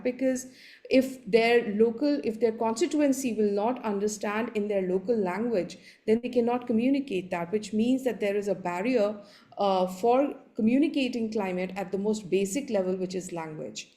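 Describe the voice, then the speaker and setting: A woman with an Indian accent, a native Hindi speaker, giving an explanatory conference presentation in a halting way, often repeating words. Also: medium pitch, dark tone. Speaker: panelist giving a slide presentation.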